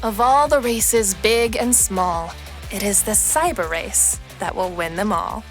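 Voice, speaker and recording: A woman's voice: mid-range voice, a little slow. A woman narrator delivering scripted narration and commentary for an audio drama. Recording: music behind the voice.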